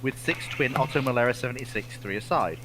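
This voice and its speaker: A man's voice: medium pitch, fast talker, music in the background. A man chatting on a panel, reading questions out and commenting in a blunt, hyperbolic way. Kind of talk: animated casual panel chat.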